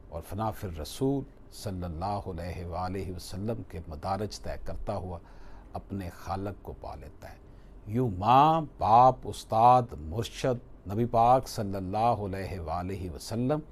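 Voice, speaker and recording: A man delivering a scripted devotional talk in a solemn, deliberate way, phrase by phrase. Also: on the low side, darkish tone, a little hiss or hum. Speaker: religious speaker.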